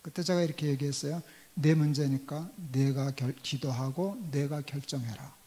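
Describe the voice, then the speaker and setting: A man's voice: on the high side, fairly even intonation, moderate pace, mellow. An older man in his sixties, a pastor telling a personal story in a sermon and acting out the quoted dialogue. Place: church sanctuary. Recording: long church hall reverb.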